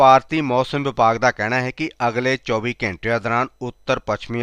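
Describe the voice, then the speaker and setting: A man's ordinary speaking voice at medium pitch with fairly even intonation, dry and close with no echo. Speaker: news anchor. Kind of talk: news reading. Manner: formal, steady, brisk read-aloud delivery; dense run-on sentences with few pauses.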